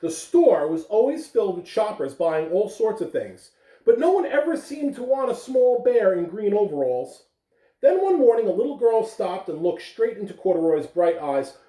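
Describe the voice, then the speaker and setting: A woman giving school morning announcements and reading a picture book aloud to young listeners, in a gentle storytelling way. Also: medium pitch, very animated, normal speed, roomy sound, recorded from a distance, low-quality recording. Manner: gentle storytelling, coaxing a child to look.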